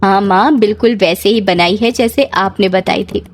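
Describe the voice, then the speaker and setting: A woman's voice: medium pitch, moderate pace, a little hiss or hum, close to an everyday voice. A woman voicing a shy, nervous young woman who hesitates and stammers, in a spoken horror story.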